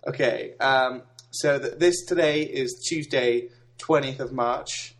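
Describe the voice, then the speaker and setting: A man's voice: medium pitch, slow pace. A young man introducing a podcast in a loose, rambling, self-correcting way. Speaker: podcast co-host. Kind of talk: casual chat.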